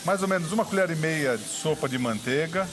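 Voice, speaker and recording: A man's voice: fairly high pitch, animated, a little fast. A middle-aged man hosting a live TV cooking show, chatty and upbeat, talking straight to viewers. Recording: TV studio with background music.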